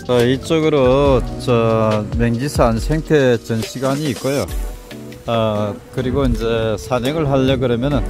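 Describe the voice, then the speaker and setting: Man narrating a hike over music. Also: mid-range voice. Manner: unhurried, explains as he walks, pointing things out. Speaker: hiking vlogger. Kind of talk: casual on-location narration. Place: outdoors on a mountain trail and in a valley.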